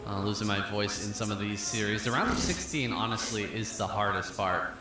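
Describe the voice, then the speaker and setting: A man's voice: on the low side, brisk. A man commentating a competitive match live, building hype and narrating the action. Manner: energetic, hyping up the match. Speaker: esports commentator. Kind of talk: play-by-play commentary. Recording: very roomy broadcast audio with music.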